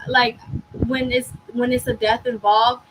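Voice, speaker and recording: A woman's voice: fairly high pitch, level tone, measured pace, a little hiss or hum, poor audio. A young woman from Inglewood, a podcast guest, talking in an earnest, reflective way and repeating her key phrases. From Inglewood, California. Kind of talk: casual podcast conversation.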